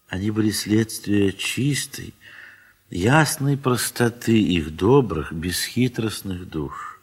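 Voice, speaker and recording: An actor as a reflective, affectionate literary narrator in an audio drama. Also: male voice, fairly low pitch, breathy edge, heavily acted. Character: reflective, affectionate male literary narrator recalling old friends.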